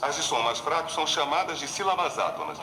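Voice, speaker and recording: A patient young explainer. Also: male voice, on the high side, big pitch swings, fast talker. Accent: Brazilian. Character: helpful young man explaining reporting. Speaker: journalism student explaining. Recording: roomy set with reverb and noise.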